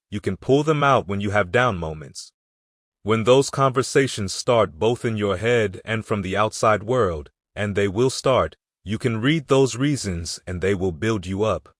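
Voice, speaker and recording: A man's voice: lowish voice, a bit bright, no room sound, clean studio sound. A man narrating a motivational audiobook in an earnest, emphatic way.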